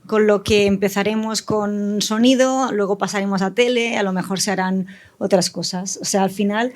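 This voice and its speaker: A woman with an average-pitched voice takes part in a panel discussion as a guest. She speaks in a casual, conversational style. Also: steady tone, moderate pace. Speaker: panel guest in audio fiction.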